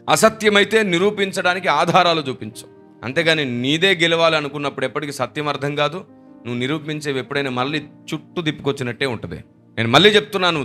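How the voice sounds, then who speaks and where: Preacher guy, bright sharp voice, bit high, keeps repeating lines for emphasis, soft music behind. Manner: emphatic, repeats phrases for stress. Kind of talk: Telugu sermon.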